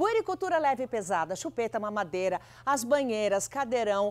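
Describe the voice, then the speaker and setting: The speaker is a woman. Very wide pitch swings run through her voice. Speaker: TV shopping presenter. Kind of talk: rapid-fire TV shopping pitch rattling off prices. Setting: walking through a store on camera. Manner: chummy, coaxing, calls viewer mamãe.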